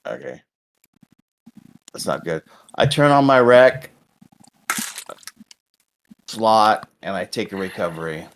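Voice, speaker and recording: A man playing a tabletop game, relaxed and playful with quiet enthusiasm. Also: low-pitched, takes it slowly, long pauses, a little hiss or hum. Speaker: player. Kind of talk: casual tabletop play.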